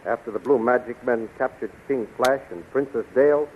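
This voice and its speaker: A man's voice: medium pitch, a little fast, close to an everyday voice. Man acting a grim soldier on tinny old radio. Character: grim, defeated soldier reporting losses. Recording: tinny, faintly noisy 1930s radio recording.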